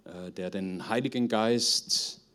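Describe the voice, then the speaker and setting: A middle-aged man teaching a group in an informal sermon, earnest and conversational, often halting as he searches for words. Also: on the low side, a bit bright. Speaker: preacher teaching on spiritual gifts.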